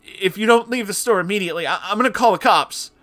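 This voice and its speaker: A man's voice: high voice, fast, a bit bright, no echo, soft background music, voice pushed up. A man voicing a nervous young woman who manages a shop, polite but uneasy and hesitant, in a story reading. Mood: alarmed. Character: nervous young female game store assistant manager.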